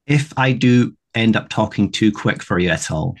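A man's voice: lowish voice, moderate pace. A man from Scotland with a Scottish accent, hosting a podcast in a casual interview chat. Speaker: podcast host.

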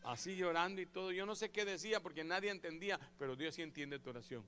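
A man preaching a sermon as pastor, lively and acting out the prayers he describes. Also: high voice, fast talker, slight background noise. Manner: animated, acts out quoted prayers and voices.

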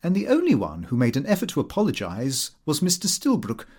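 A man reads a comic Victorian diary aloud. His pitch swings very widely, and he sounds prim and put-upon, with a theatrical way of telling it. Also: huge pitch swings, a little fast, darkish tone, breathy edge. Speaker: audiobook narrator. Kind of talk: animated scripted narration of a comic Victorian diary.

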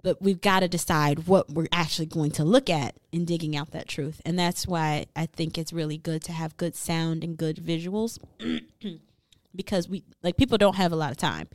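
A woman co-hosting a casual discussion, explaining her views in a steady, reasoned way. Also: sits low, moderate pace, no room sound.

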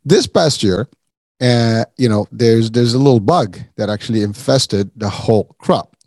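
A man's voice: mid-range voice, unhurried, darkish tone, dry recording, studio quality. A man from Morocco hosting an interview, talking in a casual, rambling way with many restarts and asides. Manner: rambling, many restarts and "you know", chuckles often. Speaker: podcast host.

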